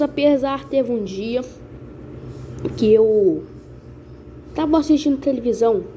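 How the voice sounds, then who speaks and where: A woman's voice: medium pitch, dark tone, slight background noise. A woman with a Brazilian accent gives her conversion testimony to a congregation in an earnest, repetitive, dramatic way. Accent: Brazilian Portuguese. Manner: earnest, repetitive, dramatic storytelling that addresses listeners as brothers. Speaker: church member giving testimony.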